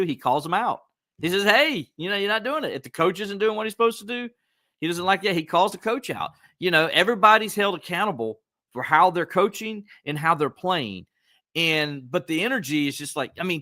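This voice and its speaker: A man's voice: dry recording, clean studio sound. A man hosting a casual sports podcast, talking animatedly and acting out quotes. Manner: animated, acts out quotes with pitch jumps.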